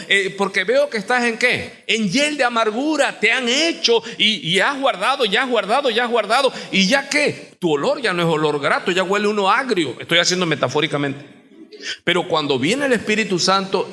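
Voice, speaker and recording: A man with a Mexican Spanish accent, a pastor preaching an impassioned sermon, moving between quiet talk and shouting as he speaks to the congregation. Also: high-pitched. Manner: addresses the congregation as hermano. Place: church sanctuary. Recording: reverberant church hall.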